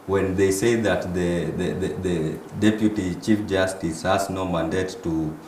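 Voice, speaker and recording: Deep-voiced man, halting speech. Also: fairly even intonation, darkish tone. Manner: halting, repeats words. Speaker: panel guest. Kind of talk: political discussion. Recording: echoey room with faint noise.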